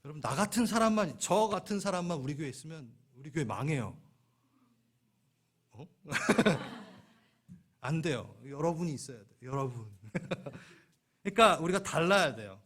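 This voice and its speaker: A man's voice: on the high side, fairly bright tone. A middle-aged man preaching a sermon as pastor of a church, playful and acting out little scenes in voices. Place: church sanctuary.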